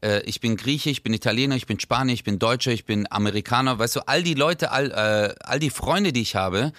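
A man's voice: medium pitch, fairly quick, a bit bright, no room sound, studio quality. A man chatting casually as a podcast guest, enthusiastic and rambling, with many fillers. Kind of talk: casual chat.

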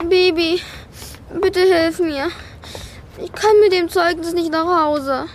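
A woman's voice: extremely high pitch, steady tone, slow pace, slight background noise. A woman playing a withdrawn, self-loathing schoolgirl in a children's radio play, bitter and self-deprecating. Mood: desperate pleading.

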